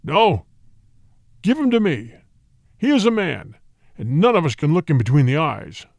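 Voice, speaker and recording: A man's voice: fairly high pitch, big pitch swings, moderate pace, gravelly, darkish tone, dry recording, clean studio sound, exaggerated voice. A man doing a roaring, hateful tiger. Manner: roaring, demanding. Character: snarling huge male tiger, hateful, bullying. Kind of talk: storybook reading.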